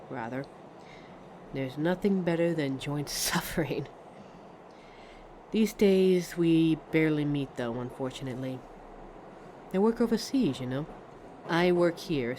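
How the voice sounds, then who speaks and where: A woman playing a friendly, lonely train passenger in a hesitant, reflective ASMR roleplay monologue, chatting to a stranger. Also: deep voice. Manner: hesitant, musing, reflective, trailing off. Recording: vehicle noise behind voice. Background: train ambience sound effects.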